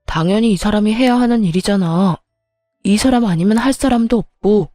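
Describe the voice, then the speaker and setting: A woman's voice: medium pitch, a little fast, mellow, no echo, studio quality, soft background music, natural voice. A woman voicing a husband who talks firmly and bluntly in defense of his wife. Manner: firm, blunt talk.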